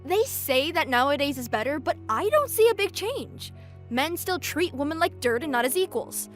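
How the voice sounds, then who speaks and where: A woman's voice: sits high, very animated, normal speed, faint music behind. A woman playing an outspoken, fiery young woman who works as a cashier in a fan audio drama, with an emphatic, forthright manner. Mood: defiant.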